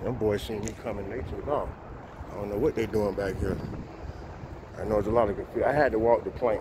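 Noticeable background noise sits behind a man's fairly low voice. He talks at a fairly quick pace. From Miami-Dade County, Florida; Florida. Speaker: vlogger. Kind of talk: casual live-stream vlog. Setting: outdoors. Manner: animated. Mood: excited, impressed. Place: tunnel cave. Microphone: phone near.

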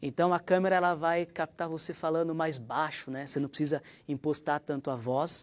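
A man is talking at a moderate pace. His intonation is fairly even. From Brazil, São Paulo state interior. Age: 40s. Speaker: actor. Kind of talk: interview. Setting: studio. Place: studio. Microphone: lapel.

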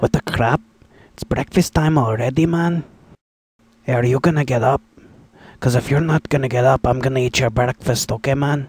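Putting on a character voice, a man drawls at a fairly quick pace with a medium pitch and fairly even intonation, broken by long, frequent pauses. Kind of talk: comic voice acting. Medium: cartoon. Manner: drawling, keeps saying man, egging on.

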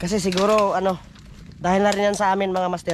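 With noticeable background noise around him, a man speaks high in pitch and fairly quickly. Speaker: vlogger, mud crab hunter. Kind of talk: casual vlog narration. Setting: outdoors, mangroves by the sea. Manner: animated, laughing often.

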